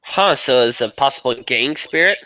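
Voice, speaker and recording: Man, host, agreeable and conversational, bright tone, dry sound. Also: medium pitch, lively intonation, normal speed, no room sound, poor audio. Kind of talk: casual conversation.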